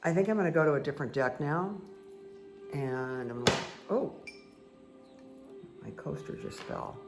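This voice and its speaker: A woman with a croaky voice giving a casual, chatty tarot card reading that speaks directly to the listener. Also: low voice, animated, measured pace. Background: background music.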